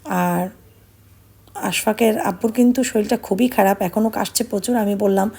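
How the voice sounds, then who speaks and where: A middle-aged woman from Bangladesh narrating her vlog in a soft, subdued, reflective way, sounding sad and tired. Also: medium pitch, normal speed, vocal fry, husky. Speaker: vlogger.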